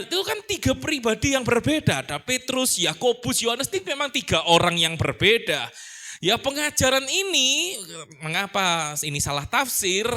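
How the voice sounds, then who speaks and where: A male pastor preaching in a high, lively voice. He talks in a strongly animated way, often asking rhetorical questions and acting out short voices to make his point. His pitch swings widely from phrase to phrase. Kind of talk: sermon.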